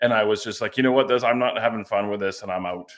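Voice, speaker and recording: An ordinary speaking voice with ordinary pitch variation over a quiet background. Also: man. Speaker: wrestling commentator and ring announcer. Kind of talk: interview answer.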